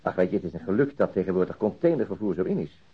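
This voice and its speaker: Brisk, husky, stubborn detective. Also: male voice, deep voice, big pitch swings, heavily acted. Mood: animated, wry. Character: stubborn, dry-humoured male police detective, middle-aged. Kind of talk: Dutch radio drama acting. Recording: muffled archived radio drama recording.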